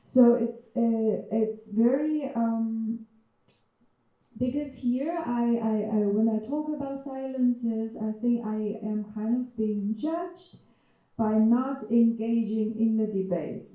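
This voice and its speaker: Chinese-accented woman speaker, measured and hesitant, dark mellow tone, far off in a big reverberant hall. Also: fairly high pitch. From China. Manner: hesitant, many fillers and restarts. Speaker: writer and panel speaker. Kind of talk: reflective public talk.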